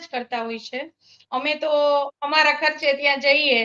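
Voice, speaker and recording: A woman speaks with a high pitch. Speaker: religious storyteller. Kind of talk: interview.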